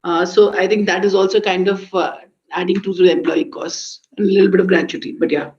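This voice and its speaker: High-pitched man on a muffled call. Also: flat delivery, brisk, a little mellow. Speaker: company finance executive. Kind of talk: explaining figures on an earnings conference call. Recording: muffled conference call audio.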